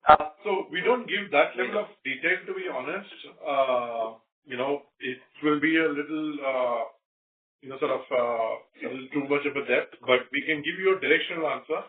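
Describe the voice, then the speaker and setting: A male company executive speaking haltingly on an earnings call, leaning on repeated filler phrases. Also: fairly high pitch. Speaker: company executive answering analysts. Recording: roomy, distant phone-like conference line.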